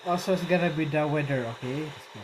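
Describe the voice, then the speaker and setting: A man's voice: on the high side, fast talker, heavy background noise. A man giving a casual, hesitant product demo as a vlogger, repeating himself as he goes. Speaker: vlogger unboxing a gadget. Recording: radio chatter behind the voice. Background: radio playing.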